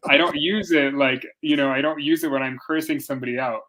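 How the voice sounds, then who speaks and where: A man from India, a lawyer guest telling stories in a casual interview, animated and self-deprecating. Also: mid-range voice, a little fast, poor audio. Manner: animated, self-deprecating storyteller with frequent fillers.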